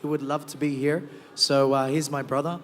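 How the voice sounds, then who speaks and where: A man speaking on stage with a worn, hoarse voice, pitched a little high. He stops and starts, with lots of fillers. A long hall reverb trails each word. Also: level tone, a little hiss or hum. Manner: halting, many fillers. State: hoarse, lost his voice. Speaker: guest speaker. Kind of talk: stage speech. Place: large event hall.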